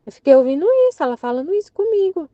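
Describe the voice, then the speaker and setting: Brazilian woman, higher-pitched, telling a personal faith story in a halting, rambling way; dull, dry lo-fi capture. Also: lively intonation, no echo. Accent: Brazilian Portuguese. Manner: rambling and halting, many fillers and restarts. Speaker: faith study group participant. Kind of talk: casual spoken testimony. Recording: dull lo-fi audio.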